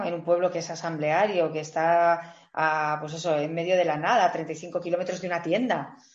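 Audible room echo surrounds a woman's voice. She has a fairly low pitch and a moderate pace. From Spain, Barcelona and rural Teruel. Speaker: doctor and aid worker, author. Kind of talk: casual interview chat. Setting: video call.

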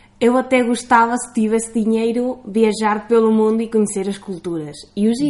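The woman talks at a moderate pace. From Spain, Basque Country (Vitoria). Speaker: language school student. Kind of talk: interview. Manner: halting.

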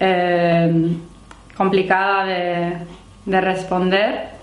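A woman at medium pitch, with audible room echo. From northern Spain. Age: 30s. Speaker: road works designer. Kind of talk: interview answers.

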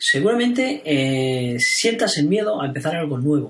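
The speaker is a man with a fairly high pitch. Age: 40s. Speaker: podcast host and online business coach. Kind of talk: motivational podcast monologue. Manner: hesitant with fillers.

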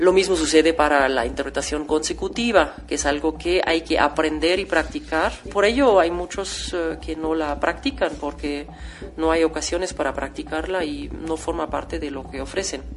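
A woman speaks with a German accent against noticeable background noise. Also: moderate pace. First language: German (speaking Spanish). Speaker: conference interpreter. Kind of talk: informational talk.

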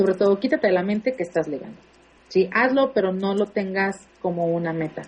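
Somewhat breathy speech at a fairly quick pace, with ordinary pitch variation. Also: woman, medium pitch for a woman. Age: 30s. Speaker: radio show co-host. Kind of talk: casual chat.

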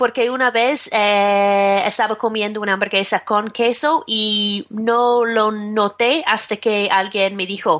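In an English accent, the speaker talks at a very slow pace with hardly any pauses, very even loudness and fairly even intonation. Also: woman, fairly high pitch for a woman. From Ireland, Dublin suburbs. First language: English (speaking Spanish). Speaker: Spanish teacher. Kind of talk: interview. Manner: halting.

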